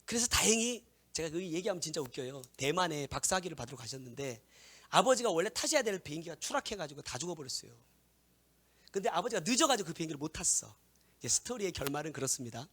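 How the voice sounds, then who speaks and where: A man in his thirties, a pastor preaching a sermon, swinging from loud exclamations to hushed whispers. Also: a little high, sing-song, quick pace, husky.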